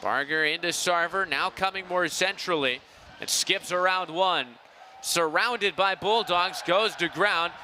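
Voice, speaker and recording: Young guy doing play by play, very bright forceful voice, bit high, faint outdoor noise behind. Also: measured pace. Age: young adult. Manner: projected, excited on big plays. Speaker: play-by-play sportscaster. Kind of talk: live sports play-by-play commentary.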